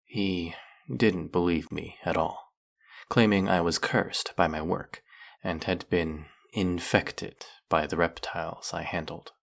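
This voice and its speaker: An actor playing a snake-headed male villain in an audio roleplay, speaking in a soft, formal, measured way. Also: low voice, creaky, full character voice.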